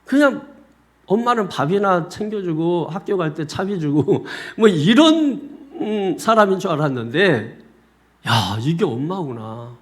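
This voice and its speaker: A man's voice: high voice, measured pace. A man, a senior pastor, preaching a sermon and telling a personal story, often speaking straight to his congregation. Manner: animated storyteller, often addressing the congregation directly. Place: church sanctuary.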